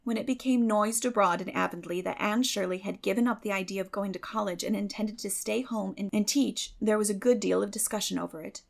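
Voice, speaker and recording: A woman's voice: medium pitch, fairly even intonation, brisk, vocal fry, hardly any pauses. A woman reading scripted narration from a classic novel as an audiobook narrator.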